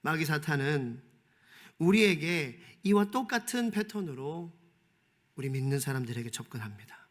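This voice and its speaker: A man's voice: on the high side, lively intonation, moderate pace. A male pastor preaching a sermon, emphatic, asking the congregation rhetorical questions and moving between formal and casual speech.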